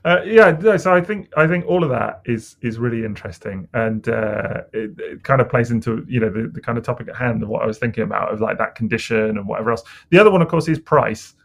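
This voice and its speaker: A man with a gravelly, creaky voice talks in a relaxed podcast chat. He rambles and hesitates, doubling back with fillers as he thinks aloud. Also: mid-range voice, fast, few pauses. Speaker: podcast co-host. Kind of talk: casual chat.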